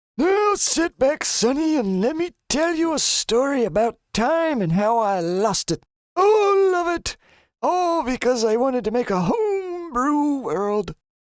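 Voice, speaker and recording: A high, put-on character voice swings very widely in pitch. The pace is fairly slow. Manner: grandfatherly, storytelling.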